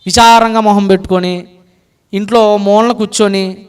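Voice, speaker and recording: Brief: male preacher, very high pitch, animated sermon delivery with loud and hushed swings. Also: moderate pace, clean tone. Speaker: pastor.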